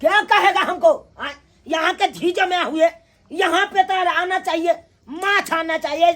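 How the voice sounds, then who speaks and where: A woman's voice: very high voice, a little slow, fairly bright tone. A woman playing a picky, demanding young male son-in-law in a village comedy skit, scolding and indignant. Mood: angry.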